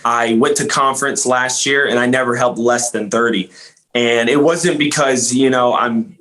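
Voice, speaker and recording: Young man, earnest, rambling, mid-pitched voice, casual podcast talk. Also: steady tone, moderate pace, a bit bright. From Louisiana. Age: young adult. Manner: earnest, rambling, many fillers and restarts. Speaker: guest, insurance agent.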